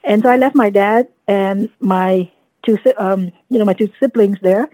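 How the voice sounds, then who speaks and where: Woman in her fifties, from Vietnam, earnest reflective storyteller, soft mellow tone, dry close mic. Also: mid-range voice, moderate pace, no room sound, rough recording. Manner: earnest, reflective storytelling with many "you know" fillers. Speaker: guest, dentist and coach. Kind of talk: casual podcast interview.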